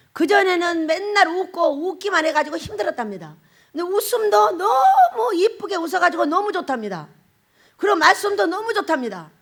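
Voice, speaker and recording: A middle-aged woman pastor delivering a sermon with a high, bright-pitched voice. Her intonation swings widely as she talks. She laughs often and keeps asking her listeners questions. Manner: animated, laughs often, asks the congregation questions.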